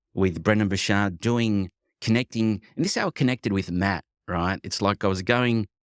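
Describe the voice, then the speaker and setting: Speaking at a moderate pace with ordinary pitch variation, a man with an Australian accent and a fairly low pitch comes through on a very clean recording with a silent background, the sound dry and close with no echo. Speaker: coaching academy CEO. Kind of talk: podcast interview. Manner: halting.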